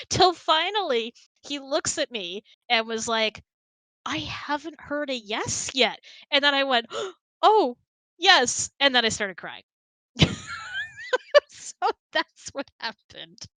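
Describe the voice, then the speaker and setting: A woman with a bright voice chats casually on a close, dry mic. She tells stories expressively and giggles easily between phrases. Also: high voice, slow pace, no echo. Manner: giggly, expressive, animated storyteller. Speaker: host of an audio hangout. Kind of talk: casual storytelling chat.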